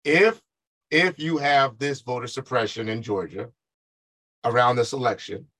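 A man's voice: medium pitch, measured pace, fairly bright tone, rough recording. A man hosting a radio talk show, pressing his co-host with probing questions, interrupting and teasing. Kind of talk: heated talk-radio debate.

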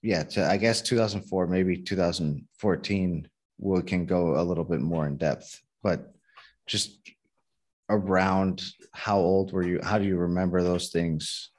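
Deep-voiced male podcast host. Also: fairly even intonation, unhurried, a little mellow. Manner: rambling, self-correcting questions. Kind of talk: casual interview questions.

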